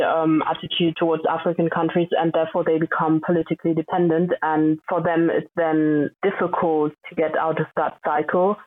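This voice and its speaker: Brief: young woman panelist, flat delivery, dry tinny call audio. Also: deep voice, no echo. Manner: explanatory, with frequent ums.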